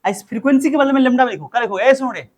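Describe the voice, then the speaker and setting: A man's voice: very high voice, racing, darkish tone. A man tutoring chemistry, mixing in English terms, repeating formulas and scolding his student. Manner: mixes Hindi with English terms. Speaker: chemistry teacher. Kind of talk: informal tutoring lesson.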